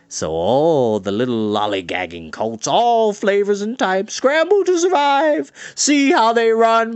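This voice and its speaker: A man voicing a booming, theatrical old male spirit guide who shouts down from the sky in archaic phrases. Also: no room sound, full character voice.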